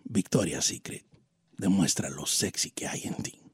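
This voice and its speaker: A deep, velvety commercial-announcer voice that lingers on every word, suave and seductive. It sounds like a dry, close studio read, a radio host putting it on for a laugh. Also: male voice, no echo, heavily acted. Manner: slow, smooth, seductive delivery.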